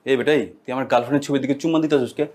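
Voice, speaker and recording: An actor playing a jealous, suspicious boyfriend in a Bengali comedy skit, confrontational, with music behind. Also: male voice, mid-range voice, fairly even intonation, very fast, a little mellow, slight background noise, natural voice. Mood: jealous, indignant.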